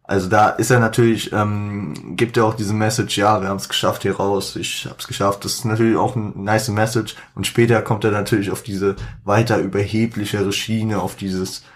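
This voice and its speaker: A man hosts a podcast with a slightly low voice, in casual commentary. He talks haltingly, with fillers and self-corrections, and mixes in English slang. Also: level tone. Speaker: podcast host.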